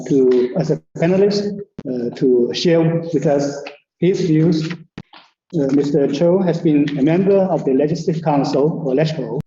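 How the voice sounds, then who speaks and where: A man moderating a panel, halting and filler-heavy, with a very dark, mellow tone and a slightly raised pitch. His voice comes through an echoey room on a dull, hissy feed. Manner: hesitant, many fillers. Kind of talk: introducing speakers. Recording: echoey muffled remote feed with hiss.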